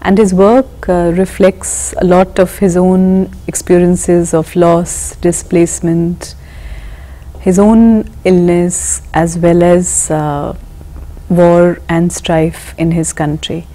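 A young woman hosts a studio interview with a mellow, soft-toned voice. She sets up her guest in a measured way and keeps her questions short. Her lapel mic gives a close sound. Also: fairly low pitch, level tone, low-quality recording. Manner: measured introductions, brief prompts. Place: television studio.

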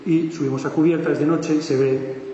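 A man's voice: on the high side, fairly quick, muffled recording. Spanish man telling a story in an echoey hall. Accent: Spain Spanish. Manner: lively narrator who acts out the quoted voices, with many fillers and restarts. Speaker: speaker telling a story to an audience. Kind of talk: animated storytelling talk. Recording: echoey hall with faint noise.

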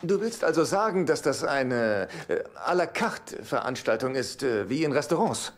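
A man's voice: mid-range voice, big pitch swings, moderate pace, natural voice. An actor playing a fussy, needy, penny-pinching middle-aged man in a German-dubbed sitcom, agitated and hesitant. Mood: nervous, eager. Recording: noisy TV soundtrack with clicks.

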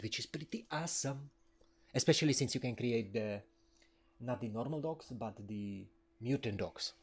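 A man's voice: on the low side, husky. A man giving casual, rambling commentary while playing a video game, often chuckling. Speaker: let's play gamer.

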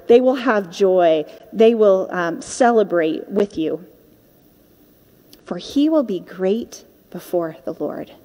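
A young woman delivers a sermon in a conversational style, moving between reading and informal explanation. Her pitch sits in a medium range for a woman. The long reverb of a hall surrounds her voice. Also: dark tone. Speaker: preacher. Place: indoor stage with curtain backdrop.

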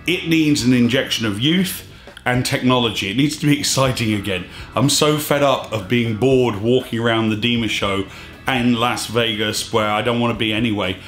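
An exasperated thirty-something scuba diving vlogger makes his point emphatically to camera, his hands gesturing as he talks. His voice is slightly hoarse, medium-pitched, and fairly bright, and the small studio room adds echo over faint music.

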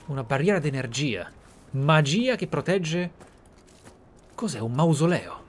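A man with a slightly high voice narrates a roleplay let's play, musing in character and reading aloud in an unhurried, theatrical, pensive way with lively intonation and murmured asides. Game ambience sits clearly in the background.

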